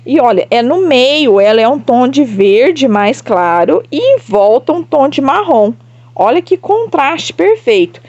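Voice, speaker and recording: A woman from Brazil with a southern Minas Gerais accent, showing her succulents to followers in an excited, gushing way and talking straight to viewers. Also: high-pitched, measured pace, dry recording, lo-fi sound. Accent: southern Minas Gerais Portuguese. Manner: gushing, enthusiastic, addresses viewers often. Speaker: succulent grower and seller. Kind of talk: casual plant showcase to followers.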